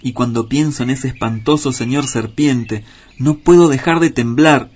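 A man voicing a fretful, indignant housewife crow in a storybook reading, with a shrill, tearful complaining manner. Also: normal speed, darkish tone, slightly rough, close to an everyday voice. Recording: dull lo-fi with faint hiss.

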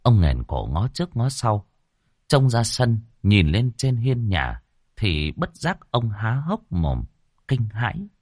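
A man telling a dramatic story with vivid, expressive narration. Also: lowish voice, takes it slowly, no room sound, studio quality.

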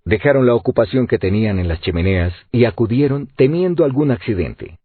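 A man narrating an audiobook in an expressive, lively reading, with narrow phone-like sound. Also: mid-range voice, fairly quick, husky, dry recording. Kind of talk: scripted narration.

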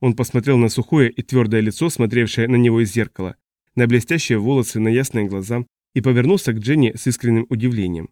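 Reading an audiobook script, a man keeps his storytelling even and measured at a medium pitch. The recording is clean studio sound without any room sound.

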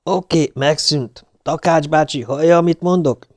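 A man voicing a brisk male emergency doctor who gives curt orders, in an audiobook. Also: a little high, pitched above the performer's own voice. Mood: urgent. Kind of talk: audiobook character voice.

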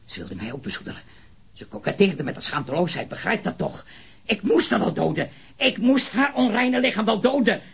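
Husky, agitated murder suspect. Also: male voice, high voice, very animated, fairly quick, a bit bright, full character voice. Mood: defensive, disgusted. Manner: agitated, repetitive, accusing. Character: disturbed self-righteous male murder suspect under interrogation. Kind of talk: dramatic film-style crime acting.

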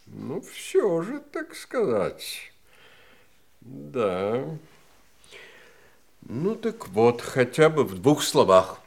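An actor playing a hesitant, confessional family friend and former lover in an audio drama, halting and ruminative. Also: male voice, medium pitch, wildly swooping pitch, gravelly, full character voice. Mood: awkward, teasing. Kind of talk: stage-style audio drama acting.

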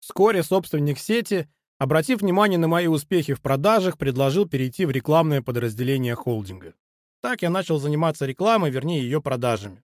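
A man in his forties reading his own audiobook in an earnest, measured way, speaking straight to the listener. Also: fairly high pitch, expressive, no echo, studio quality. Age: 40s. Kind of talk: audiobook narration.

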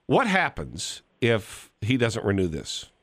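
A man's voice: on the low side, wildly swooping pitch, slow pace, fairly bright tone, no echo, studio quality. A man hosting a radio talk show, interviewing a guest with wry, joking asides.

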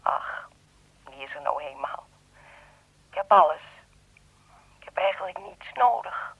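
Radio play: solitary, generous female caller, raspy voice, insistent and reassuring, close dry sound. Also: on the low side, lively intonation, unhurried, fairly bright tone, dry recording, whispered, full character voice, low-quality recording. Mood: lonely, pleading. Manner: persuasive, urging, reassuring. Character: lonely, insistent, generous woman on the telephone.

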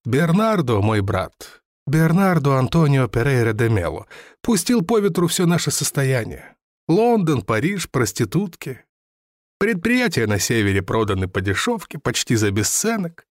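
A man's voice: medium pitch, very animated, normal speed, dry recording, clean studio sound, close to an everyday voice. A man reading an audiobook, voicing a touchy, formal older lottery seller who talks in a pompous, stiffly polite way. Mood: rueful.

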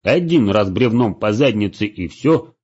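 A man's voice: on the low side, animated, unhurried, a little mellow, slightly rough. A man voicing a blunt, wry male adventurer who teases his companion. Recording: dull lo-fi recording.

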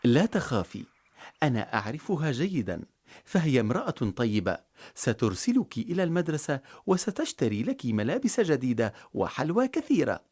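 Storyteller doing a kind little talking sparrow, soothing, husky voice that swings up and down a lot. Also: medium pitch, big pitch swings, a little fast, a little mellow. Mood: reassuring. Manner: soothing, reassuring. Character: gentle kindly talking sparrow.

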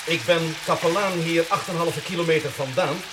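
A man playing a convivial, teasing Catholic chaplain in a television period drama, unhurried and self-assured. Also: fairly high pitch, lightly acted. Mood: jovial, teasing. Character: cheeky, convivial visiting male Catholic chaplain, self-invited. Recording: noisy 1970s TV soundtrack. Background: sizzling pan, kitchen clatter.

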